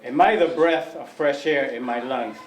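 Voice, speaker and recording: A man performing spoken word poetry, measured and repetitive, guiding the audience. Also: medium pitch. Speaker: poet performer. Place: community event hall. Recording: echoey room, mic from far off, faint noise.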